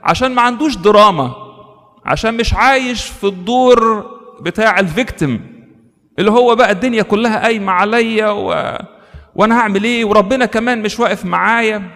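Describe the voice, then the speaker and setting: Egyptian male priest, high voice, animated sermon, long church reverb. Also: a little fast. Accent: Egyptian Arabic. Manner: animated preaching, acts out tempting voices.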